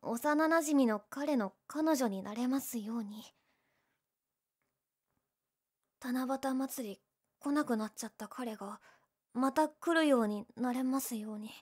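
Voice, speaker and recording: A young woman playing a teasing, prickly, secretly lovestruck tsundere childhood friend in a romantic audio drama. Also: high-pitched. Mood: shy, confessing. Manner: bratty teasing, flustered, emotive.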